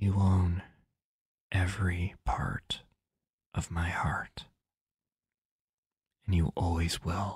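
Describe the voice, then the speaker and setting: Against a quiet background, a soft-spoken voice whispers at a very slow pace. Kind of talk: soft comforting roleplay monologue. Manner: soft, affectionate ASMR whisper.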